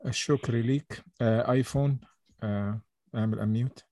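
A man's voice: medium pitch, steady tone, a little fast, mellow. A man with an Egyptian accent moderating a call-in, handing the floor to callers with curt prompts, heard away from the mic. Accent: Egyptian Arabic.

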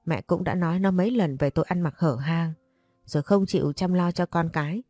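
A woman voicing a weary, tender old grandmother who speaks gently. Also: on the low side, brisk, no echo, studio quality, faint music behind, natural voice.

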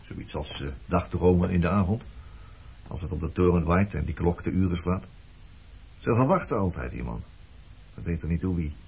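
A man acting in a radio play as an evasive, detached former lover, talking in a dry, offhand, probing and faintly mocking way with a husky, rough-edged voice. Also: deep voice, expressive, normal speed, pauses often, a little mellow, full character voice. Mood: musing, probing. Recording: dull lo-fi old radio recording.

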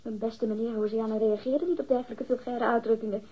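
An actress playing a defensive, haughty young librarian under questioning in a radio drama, curt and bitterly sarcastic. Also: female voice, a little high, fairly even intonation, a little fast, slightly rough, lo-fi sound. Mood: bitter, scornful.

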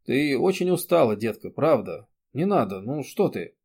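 A man's voice: medium pitch, sing-song, normal speed, a little mellow, husky. A male reader voicing a blunt, protective young man who talks firmly and soothingly. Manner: firm, reassuring, sometimes barking. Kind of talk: audiobook character reading.

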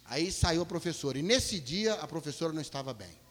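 A male pastor preaches with an animated storytelling delivery, moving from loud bursts down to hushed, low passages. His voice is bright and sits fairly high. A long reverb from a large hall trails behind his words. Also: a little fast. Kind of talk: storytelling sermon.

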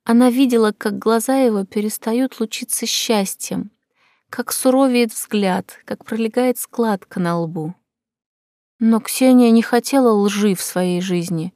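A woman narrating an audiobook in a measured, expressive reading. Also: fairly high pitch, no room sound. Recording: dry close recording.

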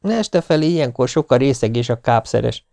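A man reading an audiobook, voicing a calm young male DJ who speaks gently and reassuringly. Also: mid-range voice, vocal fry, no echo. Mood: gentle. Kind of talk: audiobook character voice.

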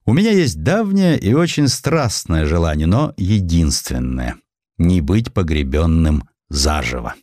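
A man's voice: sits low, sing-song, unhurried, a little mellow, no echo. Man playing a wry, grumbling aging tycoon. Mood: gloomy. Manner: dry, self-mocking, grumbling. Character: Alfred Nobel, wry gloomy aging misanthropic inventor tycoon.

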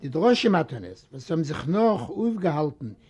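High-voiced male audiobook reader. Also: very animated, normal speed, a little mellow, slightly rough. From Eastern Europe. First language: Yiddish. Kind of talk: read-aloud literary narration. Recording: dull lo-fi recording.

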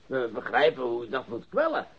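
An actor playing a falsely polite, relentless police interrogator in a radio play, mock-courteous, with theatrical, drawn-out emphasis. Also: male voice, medium pitch, wildly swooping pitch, husky, full character voice. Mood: mockingly polite. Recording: dull lo-fi radio recording.

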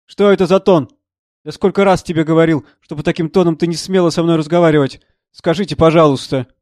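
A sneering, domineering moneyman who bullies and mocks everyone in the room, as a man reading a play puts him on. The voice sits a touch high for a man, close and completely dry. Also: fairly even intonation, fast talker, darkish tone, dry recording, natural voice. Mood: contemptuous. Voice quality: sneering, scornful. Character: rude domineering middle-aged man, blustering financier.

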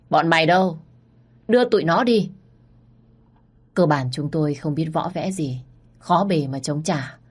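A woman narrating a story in the first person, expressive and acting out the dialogue. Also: sits low, breathy edge.

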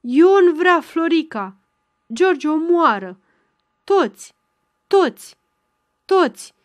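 A woman voicing a crippled old village woman who stammers, croaks and shouts in a frantic way. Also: high-pitched, sing-song, no echo, voice pushed up. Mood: frantic shrieking.

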